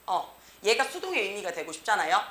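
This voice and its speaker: Female cram-school teacher, bright and forceful, frequent check-in questions, roomy classroom sound. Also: medium pitch, a little fast. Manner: tag question after nearly every phrase, lively reading. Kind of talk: classroom grammar lecture. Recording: echoey room.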